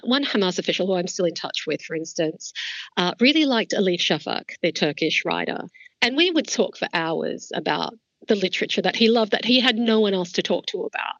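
A woman's voice: mid-range voice, fairly bright tone, dry recording, lo-fi sound. A woman who was a foreign correspondent, speaking candidly in an interview with many casual fillers. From Australia. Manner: candid, frequent "like" and "you know" fillers. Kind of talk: reflective interview answers.

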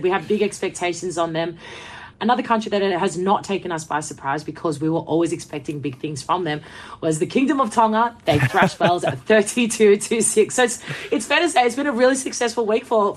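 A woman's voice: mid-range voice, fairly quick. A woman hosting a sports podcast, upbeat, reading neat segues. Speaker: host.

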